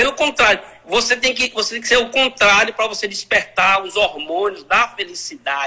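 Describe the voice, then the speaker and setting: Raised and projected, a man's voice moves at a fairly quick pace with lively intonation over noticeable background noise. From Bahia, Brazil (Feira de Santana). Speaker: ENT doctor and professor. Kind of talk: interview, casual conversation. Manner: hesitant with repetitions.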